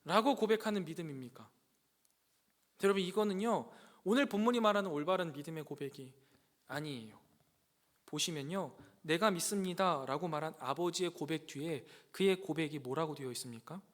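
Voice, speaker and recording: Bright-voiced pastor preaching in a reverberant hall. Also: male voice, on the high side, moderate pace. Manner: earnest, rhetorical questions, swells louder on key points. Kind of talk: sermon to a youth congregation. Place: church sanctuary.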